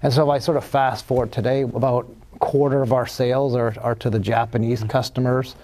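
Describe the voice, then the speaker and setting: A man's voice: medium pitch, flat delivery, fairly quick, noisy background. A man being interviewed as a company executive, answering at length with many fillers and restarts.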